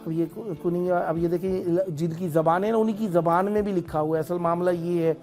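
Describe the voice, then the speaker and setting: A man's voice: high-pitched, steady tone, a little mellow, soft background music. A man hosting a live TV call-in show, thanking callers with blessings and explaining things on air, stumbling now and then over foreign place names. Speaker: TV call-in host.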